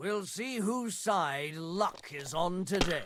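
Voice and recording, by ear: A put-on character voice at a very slow pace. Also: man.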